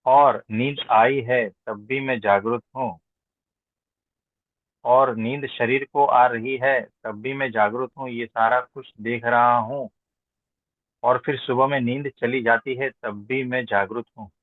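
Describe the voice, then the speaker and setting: Speaking as a spiritual teacher, a man leads an informal question-and-answer discourse, teaching didactically with emphatic repetition and rhetorical questions. His medium-pitched voice stays steady and slow. The recording has a roomy echo and a thin, phone-like sound.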